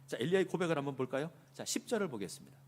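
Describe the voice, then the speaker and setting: Man preaching, emphatic sermon style, rather high-pitched, questions to the congregation. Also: animated, very fast, a little mellow. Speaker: pastor.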